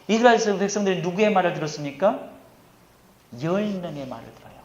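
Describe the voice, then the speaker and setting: Male pastor, sermon, asks and answers his own questions, swings loud to quiet, roomy echo. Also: high-pitched, fast talker, lo-fi sound, a little hiss or hum. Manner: asks the congregation questions and answers them himself; swings between loud emphasis and quiet asides.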